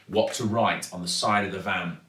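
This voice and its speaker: A man narrating a children's story expressively, with dramatic, deliberate emphasis. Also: low voice, fairly even intonation, a bit bright. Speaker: actor reading a children's story. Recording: echoey room, distant microphone.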